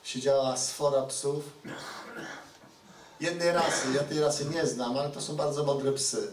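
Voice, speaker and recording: A man's voice: medium pitch, fairly even intonation, a little slow, slight background noise. A man giving a chatty sermon who keeps asking the congregation questions. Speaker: preacher. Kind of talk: conversational sermon. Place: church hall. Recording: roomy hall, mic at a distance.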